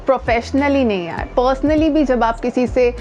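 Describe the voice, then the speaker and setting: Outdoors near her home, an Indian woman who coaches voice and hosts videos gives a relaxed lesson to camera, speaking with emphasis and blending in English words. Her high-pitched voice moves at a moderate pace; the tone is darkish with highs cut off, and faint music sits behind her.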